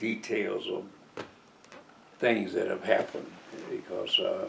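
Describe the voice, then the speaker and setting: A man with a Southern US accent, long, frequent pauses and noticeable background noise. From Georgia, USA. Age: 80s+. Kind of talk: interview answer. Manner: slow, hesitant.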